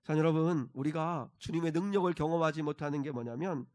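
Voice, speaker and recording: Korean-speaking pastor preaching with dynamic swings. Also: male voice, on the high side, a little fast. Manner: swings between soft asides and loud emphatic exhortation; leads congregation in reading scripture aloud. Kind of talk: sermon.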